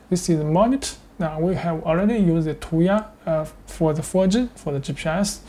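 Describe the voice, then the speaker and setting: A man demonstrates a product step by step in halting English. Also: sits high, mellow. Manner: step-by-step, halting non-native English phrasing. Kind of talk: screen-share tutorial with live demonstration.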